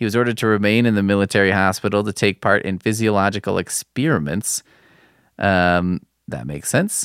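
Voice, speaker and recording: A man with a fairly low, animated voice, fairly quick pace and ordinary pitch variation, the sound dry and close without echo. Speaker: podcast host. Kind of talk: casual improvised podcast chat, reading aloud. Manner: animated, joking, rambling.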